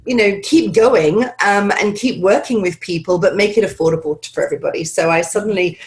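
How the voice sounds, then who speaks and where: A woman's voice: medium pitch, brisk, a little mellow. A woman acting coach chatting in an interview over a video call, upbeat and loose, running her thoughts together. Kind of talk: casual interview chat. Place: home.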